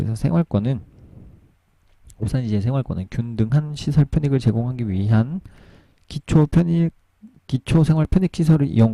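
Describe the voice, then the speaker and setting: A man with a medium pitch and a dark, mellow, somewhat breathy tone talks at a moderate pace with lively intonation. He takes long, frequent pauses, and the sound is dry and close with no echo. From Gyeongsang, South Korea. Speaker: real estate agent YouTuber. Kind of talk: casual storytelling; reading aloud with commentary. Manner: halting, self-correcting.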